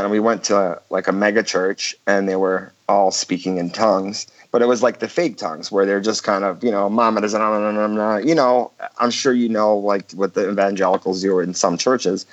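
A male caller on a call-in show, recounting a story with many restarts and fillers. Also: low voice. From Michigan, USA. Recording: dull phone-line call.

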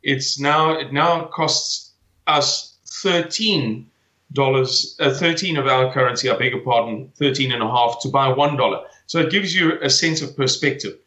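Bright-voiced man in his forties, echoey room. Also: mid-range voice, normal speed. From South Africa. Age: 40s. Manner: hesitant, repeats words while searching for them. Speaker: guest. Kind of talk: conversational interview.

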